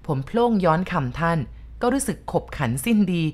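A woman narrating a story in a steady, measured read-aloud style. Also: lowish voice.

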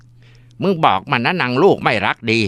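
A man's voice: medium pitch, expressive, pushed and bright, no room sound, pitched above the performer's own voice, heavily acted. A shaking, bitter mother, as a man puts her on. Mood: furious. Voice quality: trembling, bitter. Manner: slow scolding then pleading. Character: furious grief-stricken older mother.

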